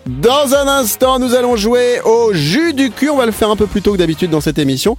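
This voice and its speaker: A man's voice: extremely high pitch, expressive, fairly quick. A man hosting a radio morning show in a studio, chatting and bantering in a playful, teasing way. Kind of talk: lively bantering radio chat. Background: music.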